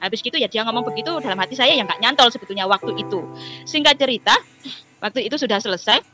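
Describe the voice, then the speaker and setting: A woman's voice: fairly high pitch, fast talker, bright, forceful tone, soft background music. A woman with a Javanese accent giving a personal testimony on a video call, telling her story in a chatty way with many fillers.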